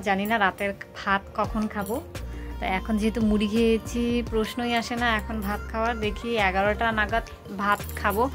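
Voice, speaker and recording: A young woman from Bangladesh with a Bangladeshi Bengali accent, chatting casually as a vlogger about her day. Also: mid-range voice. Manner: chatty, narrates her daily chores as she goes. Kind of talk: casual vlog narration. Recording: music playing under the voice.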